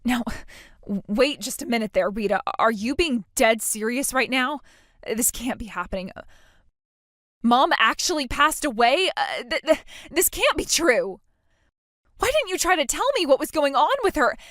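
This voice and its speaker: A woman acting out a self-centered bride in a drama, whining and stammering with a high voice that swings up and down a lot. The recording is close and dry. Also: animated, moderate pace, fairly bright tone, no echo. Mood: bewildered. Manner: whiny, self-pitying, stammering. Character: self-absorbed young bride, demanding and whiny.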